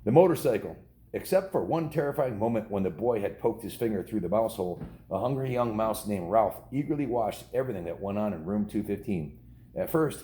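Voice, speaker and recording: A man's voice: lowish voice, mellow, slight background noise. A middle-aged American man talking casually and reading aloud as a dad hosting a story video for kids. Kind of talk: casual home vlog chat and read-aloud storybook narration.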